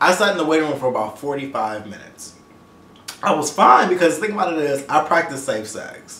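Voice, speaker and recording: Lively intonation and big swings in loudness come through over noticeable background noise. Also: man, fairly high pitch for a man. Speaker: vlogger. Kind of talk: personal story vlog. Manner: fast; casual, stumbling over words.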